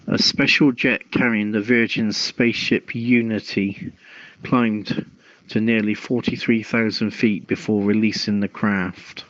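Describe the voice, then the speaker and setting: A man hosting an online radio show, reading news and chatting in a measured, halting way. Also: lowish voice, steady tone, a bit bright, no echo. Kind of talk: reading news aloud, then informal hosting chat. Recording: muffled, lo-fi dry audio.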